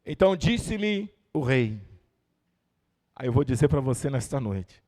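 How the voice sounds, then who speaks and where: A man with a Brazilian accent preaching a fervent Pentecostal sermon, swelling to shouts and calling on the congregation. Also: mid-range voice, big pitch swings, a little slow. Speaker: evangelist preacher. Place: church service hall. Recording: echoey church hall.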